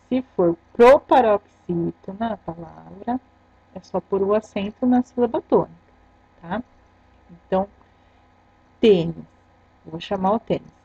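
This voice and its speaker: A Brazilian woman teacher recording a grammar lesson for her students, explaining step by step and checking in with a quick "tá?" after each point. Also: mid-range voice, warm tone, husky. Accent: Brazilian Portuguese. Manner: patient, explains step by step, ends phrases with "tá?". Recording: dull lo-fi sound.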